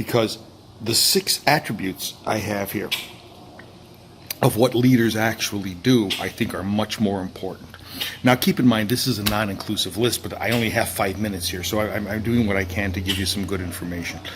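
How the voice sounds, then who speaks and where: Fairly low male voice at a fairly quick pace, with noticeable background noise. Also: fairly even intonation. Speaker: motivational speaker and coach. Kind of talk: motivational talk to camera. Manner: hesitant with many fillers.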